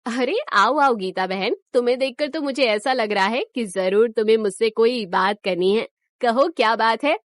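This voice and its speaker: A woman voicing a calm, fair-minded woman who runs a papad workshop in a cartoon story, speaking patiently and reasonably. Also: fairly high pitch, moderate pace, no echo, studio quality, lightly acted. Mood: reasoning.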